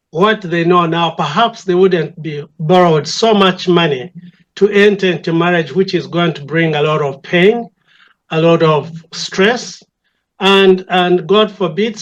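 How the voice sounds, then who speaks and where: An older man with a Ugandan accent, a church elder speaking reflectively and deliberately as an interview guest, repeating phrases for emphasis. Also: sits high, lo-fi sound. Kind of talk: reflective conversation.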